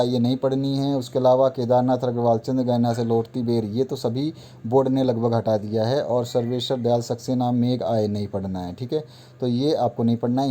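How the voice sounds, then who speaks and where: Male tutor for a recorded lesson: mellow, unhurried, repeats each point as he works down the list. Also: medium pitch. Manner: repetitive, instructive, walks through a list item by item. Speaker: teacher. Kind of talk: explaining a syllabus to students.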